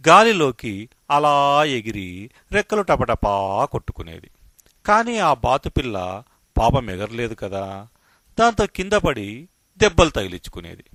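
A man narrating a children's moral story as an expressive storyteller with swooping emphasis. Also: medium pitch, no echo.

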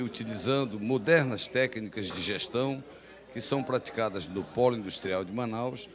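A man's voice: mid-range voice, a bit bright. An older man, a city official, giving a formal, list-like statement into reporters' microphones. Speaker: city finance secretary. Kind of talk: prepared statement in an interview. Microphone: handheld reporter microphones.

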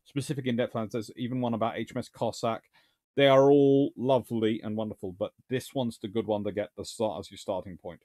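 A man's voice: lowish voice, steady tone, fairly quick, mellow. A man, casually answering viewer questions from a home study, chatty and wry with dry humour. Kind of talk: casual livestream Q&A. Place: small home study with bookshelves.

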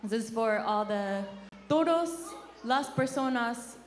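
A woman's voice: a little high, expressive, slow. A woman leading worship, calling out to the congregation playfully and laughing between lines. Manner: playful, laughing, calls out to the crowd. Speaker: worship leader. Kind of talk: hyping up a church crowd. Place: large church hall with stage. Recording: echoey hall with crowd noise. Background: congregation and band.

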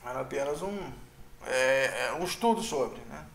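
A man's voice: medium pitch, lively intonation, unhurried, vocal fry, fairly bright tone, echoey room. A man teaching an informal online lesson, hedging and tagging his sentences with questions, and thinking aloud with restarts. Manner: informal, hedging, frequent "né?" tags. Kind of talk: casual online lecture.

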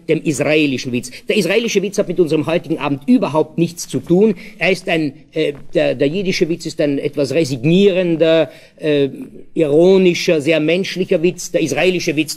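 Man, live cabaret comedian, chatty, hesitant asides, raised pitch. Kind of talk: live cabaret joke telling.

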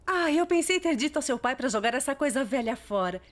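An actress voicing a busy young mother in a Brazilian cartoon dub, patient and expressive, with a Brazilian accent. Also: high voice, brisk. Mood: mildly exasperated.

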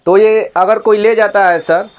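Polite, higher-voiced male interviewer. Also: fairly even intonation, measured pace, lo-fi sound. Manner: polite, asks short questions, many "hmm" and "ji" acknowledgements. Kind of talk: casual on-farm interview.

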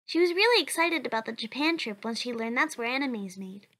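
Woman as bright, high-voiced, sweet child. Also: expressive, fairly quick. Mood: upbeat, chatty. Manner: sweet, earnest, chatty. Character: cheerful, kind, determined young child. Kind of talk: cartoon comic dub.

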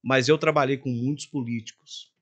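An older man from Minas Gerais with a Mineiro accent, a guest singer on a podcast, telling a story in an animated way and acting out every line of dialogue himself. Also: mid-range voice, normal speed. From Minas Gerais, Brazil.

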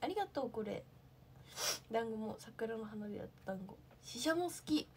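A woman's voice: a little high, expressive, normal speed, slight background noise. A young woman, an idol, chatting casually on a livestream, answering viewer comments and thinking aloud with lots of fillers.

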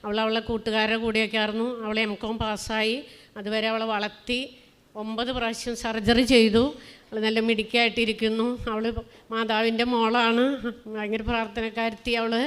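A middle-aged Malayali woman giving an earnest, emotional religious testimony, telling her story with halting restarts. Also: a little high, fairly bright tone, smooth. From Kerala, India. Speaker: testimony giver.

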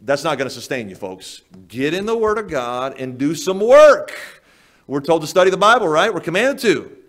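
A man's voice: a little high, big pitch swings, moderate pace. A male pastor preaching a sermon in a church, folksy and emphatic, firing rhetorical questions at the congregation. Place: church sanctuary.

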